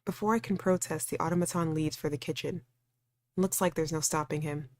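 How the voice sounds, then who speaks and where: A woman's voice: sits low, steady tone, a little fast, lightly acted. A woman reading a visual novel's wary young protagonist, narrating in a dry, introspective way. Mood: uneasy, pondering. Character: stubborn, wry, wary young protagonist narrating their ordeal.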